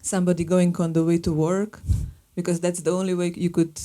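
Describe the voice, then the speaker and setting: A woman's voice: lowish voice, little pitch movement, brisk, mellow. A woman from Slovenia, a filmmaker speaking thoughtfully in a live panel conversation and searching for her words. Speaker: filmmaker and artist guest.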